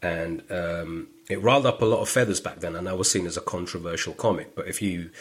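A middle-aged stand-up comedian from northwest London with a London accent, chatting on a podcast in a lively storytelling way. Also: male voice, low-pitched, a little fast, husky. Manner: animated storytelling, acts out quoted voices. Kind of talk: casual podcast conversation.

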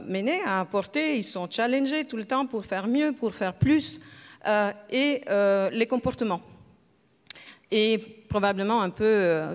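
A woman professor talks on a conference panel with a smooth, clear voice. She hesitates often and fills gaps with filler sounds. Her voice carries through a long, echoing hall reverb. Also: medium pitch. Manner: hesitant, many filler sounds, searching for words. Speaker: energy economics professor, panelist. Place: lecture hall at a school.

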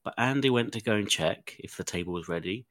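Podcast guy, bit sniffly, rambles and ums a lot, low-ish voice. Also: a little fast, a bit bright, dry recording. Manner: rambling, chatty storytelling with many fillers. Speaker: podcast co-host. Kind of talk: casual chat.

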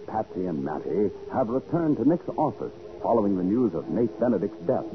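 A man narrating a 1940s radio crime drama as its announcer, with dramatic, polished delivery. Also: mid-range voice. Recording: noisy-free but narrow-band old radio broadcast. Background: music.

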